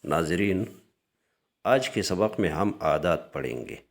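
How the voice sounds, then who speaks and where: Brief: male teacher, deep low voice, slow lesson with frequent hesitations. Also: lively intonation. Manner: clears his throat often. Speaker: language teacher. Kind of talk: screen-share language lesson.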